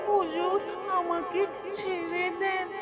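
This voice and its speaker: A woman's voice: very high voice, level tone, slow pace, over loud music, a loud crowd. A woman voicing a greedy, mischievous little child jinn in a cartoon. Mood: pleading. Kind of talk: scripted cartoon acting.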